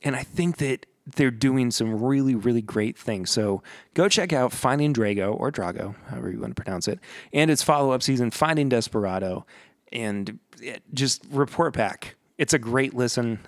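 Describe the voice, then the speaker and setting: Guy hosting a podcast, chatty and upbeat, close dry mic, normal pitch. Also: no room sound. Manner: chatty, upbeat, repeats words when restarting. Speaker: podcast host. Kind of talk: casual podcast outro.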